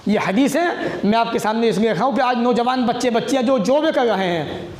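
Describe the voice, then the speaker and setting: Guy preaching a sermon, really high voice, quotes arabic hadith, calls everyone brothers, echoey room. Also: fairly quick. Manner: addresses listeners as brothers. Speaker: Islamic preacher. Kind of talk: religious sermon. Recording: echoey room, faint background noise.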